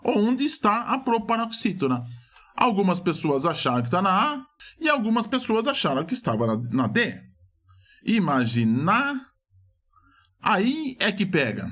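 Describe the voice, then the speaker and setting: A middle-aged man with a Brazilian Portuguese accent, reviewing exam questions in a lively lesson and often asking and answering his own questions. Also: high voice, unhurried. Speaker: exam prep teacher.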